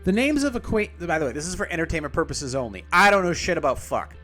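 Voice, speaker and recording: A man hosts a podcast in a loose, sarcastic way, cursing freely and correcting himself as he reads. His voice sits a little higher than most men's. Soft music plays faintly under him. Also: sing-song, fast. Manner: sarcastic, profane, rambling with self-corrections. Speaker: podcast host. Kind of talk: casual commentary, reading an article aloud.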